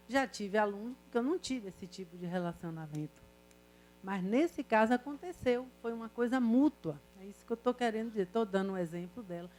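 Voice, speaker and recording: An older woman university professor lectures to her class, slipping from advice into personal stories. Her voice sits a little high, and she keeps checking in with the students through rhetorical questions. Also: a little mellow.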